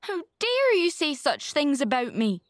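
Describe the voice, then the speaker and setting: Woman acting a furious young girl, high-pitched and vehement. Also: big pitch swings, a little slow, no room sound, clean studio sound. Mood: furious, hurt. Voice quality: choked. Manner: vehement, indignant, emphatic. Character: angry, wounded, fiery young orphan girl.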